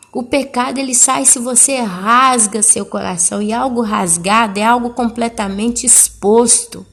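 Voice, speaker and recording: A woman's voice: a little high, husky. Fervent woman preacher. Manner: fervent, pleading, addresses the listener directly. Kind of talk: sermon.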